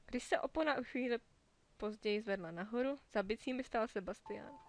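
A woman reading a children's story aloud in a gentle, clear storytelling manner. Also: fairly high pitch, no room sound. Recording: dry close mic over soft music.

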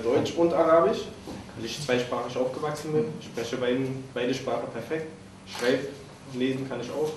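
A man aged twenty-two, a trainee, introducing himself in a relaxed, matter-of-fact way. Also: mid-range voice, noisy background. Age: 20s. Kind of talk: self-introduction. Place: large hall. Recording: very echoey hall from far off.

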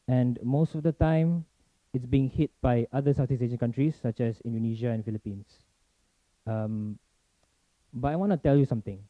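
A young man presents to a forum audience, talking fast in casual bursts. His voice sits at a middle pitch. The sound is narrow and tinny, like a phone line, with no room echo. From Malaysia. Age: young adult. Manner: talks fast in bursts, chatty and informal. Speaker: forum speaker.

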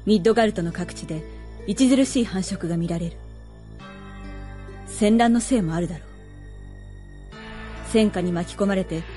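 Woman as a mellow, solemn warrior goddess. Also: mid-range voice, faint music behind, lightly acted. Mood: grave. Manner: grave, formal, measured. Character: solemn, composed battle goddess, a valkyrie. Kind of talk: Japanese radio drama acting.

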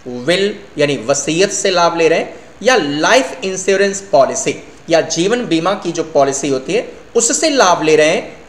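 A middle-aged male English teacher explaining word meanings to his students in Hindi, asking and answering his own questions. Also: fairly high pitch. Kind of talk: vocabulary lesson. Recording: echoey room, faint hum.

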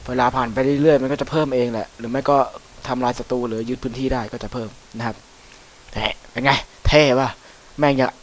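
A man giving casual, chatty commentary over a video game, swearing freely and breaking into excited whoops. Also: medium pitch, fairly quick. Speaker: gameplay commentator. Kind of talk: casual let's-play commentary.

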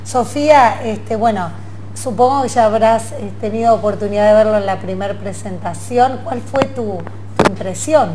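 A woman's voice: mid-range voice, moderate pace, noisy background. A middle-aged woman with an Argentine accent, interviewing guests conversationally as a TV host. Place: TV studio.

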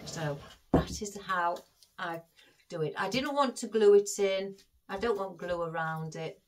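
Lady doing a craft tutorial, slow and chatty, keeps saying guys to viewers. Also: mid-range voice. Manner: chatty, talks viewers through each step and calls them guys. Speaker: florist demonstrating an arrangement.

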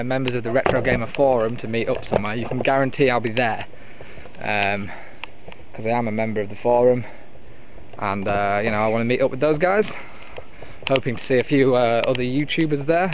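A British man in his twenties rambling casually and self-deprecatingly as he vlogs while walking outdoors, holding the camera on a stick. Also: mid-range voice. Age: 20s. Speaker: vlogger, retro gaming YouTuber. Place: outdoors, walking along a field edge by trees. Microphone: camera on a stick at arm's length. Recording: dull muffled camera audio with outdoor wind noise.

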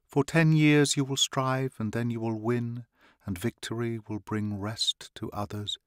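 A man reading an audiobook, voicing an entranced female seer who speaks in a high, sighing voice with solemn, prophetic chanting. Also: steady tone, measured pace, dry recording, studio quality, natural voice. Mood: trance-like.

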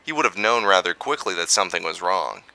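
A man plays a steady investigator in an audio drama. His lowish voice is very sharp and forceful, cleanly resonant, with a businesslike, reassuring manner. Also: quick pace, vocal fry, exaggerated voice. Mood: focused, steady.

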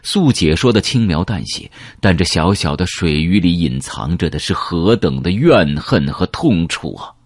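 A deep male voice tells a first-person audiobook story in a reflective, measured way. His pitch moves expressively, and the recording is dry and close with no room sound. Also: expressive, no room sound. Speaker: audiobook narrator.

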